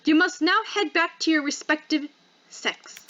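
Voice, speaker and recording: A woman's voice: sits high, measured pace, fairly bright tone, muffled recording, voice pushed up. A woman voicing a stern, commanding cult leader who speaks formally and coldly in a visual novel read-aloud. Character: stern cult leader lady passing judgment at an assembly.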